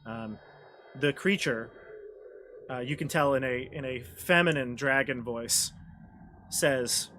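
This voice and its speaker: A man's voice: medium pitch, takes it slowly, pauses often, pushed and bright, a little hiss or hum. A man working as game master, improvising tabletop game narration and often searching for his words.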